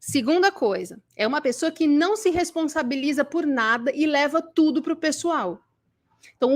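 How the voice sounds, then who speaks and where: Brazilian woman, high voice, lively teacher who mimics people she quotes. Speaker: burnout recovery teacher. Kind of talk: live online class.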